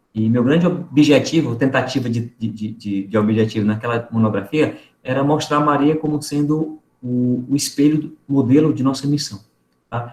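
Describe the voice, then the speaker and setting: He is a man with medium pitch and ordinary pitch variation. His voice sounds somewhat breathy. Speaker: Franciscan friar teaching a faith course. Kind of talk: online lecture. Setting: video call.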